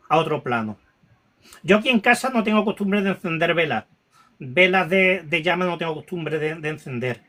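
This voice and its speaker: A man telling a painful personal story, halting with restarts and repetitions, audibly moved and close to tears. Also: sits high, a bit bright. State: emotional, near tears. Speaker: guest recounting a paranormal experience.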